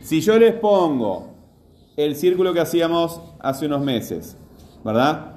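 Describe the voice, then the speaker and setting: A man's voice: on the high side, big pitch swings, a little slow, a little mellow. A man teaching a class, patiently questioning his students as he goes. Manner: patient, asks the class repeatedly.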